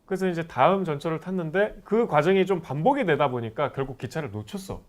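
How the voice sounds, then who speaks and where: A man's voice: fairly high pitch, fast talker. A man in his forties, a podcast host, casually telling a long personal story in a chat. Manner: animated, rises sharply when recalling anger.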